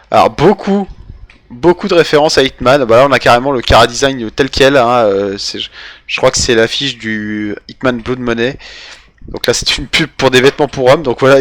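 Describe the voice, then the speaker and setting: A man's voice: medium pitch, fairly bright tone, no room sound. A young French man doing casual live game commentary, rambling and hesitant as he goes. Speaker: game streamer.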